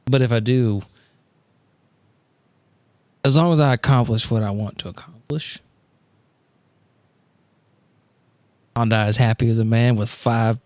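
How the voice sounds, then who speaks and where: A man's voice: mid-range voice, fairly even intonation, a little mellow, no room sound, close to an everyday voice. A man playing a sheepish, hapless but determined schemer in a tabletop roleplay, rambling and interrupting himself. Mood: proud, resolute. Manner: halting, rambling, self-interrupting.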